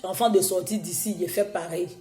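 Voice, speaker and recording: Hoarse woman preaching in an echoey room. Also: on the low side, fairly even intonation, a little fast, mellow, soft background music. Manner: exhorting, repetitive, emphatic. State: hoarse from a cold. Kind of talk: sermon.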